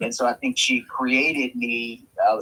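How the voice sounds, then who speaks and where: A man speaks with a Southern US accent. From US South, Mississippi. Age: 50s. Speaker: tennis club manager. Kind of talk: interview.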